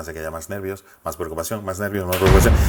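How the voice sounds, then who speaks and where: A very deep, low male voice with fairly even intonation. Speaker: communication consultant. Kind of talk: casual talk to camera.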